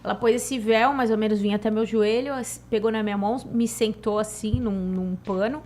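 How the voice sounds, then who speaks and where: A woman with a Brazilian Portuguese accent from Santos, telling a personal spiritual story in an animated, emotional way on a podcast. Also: mid-range voice, fairly quick, slight background noise. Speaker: podcast guest sharing a spiritual experience. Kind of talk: casual chat, storytelling.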